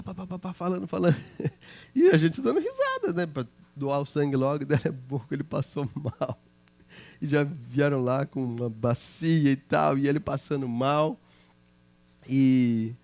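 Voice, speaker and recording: Gravelly, lively pastor. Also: male voice, fairly high pitch. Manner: chatty storytelling, checking in with listeners. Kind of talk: sermon with personal anecdotes.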